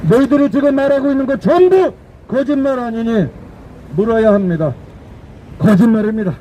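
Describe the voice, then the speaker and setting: A man's voice: very high-pitched, normal speed, dark tone, a little hiss or hum, rough recording. A man delivering an emphatic, declamatory political rally speech outdoors, repeating phrases for effect. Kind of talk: fiery political street speech.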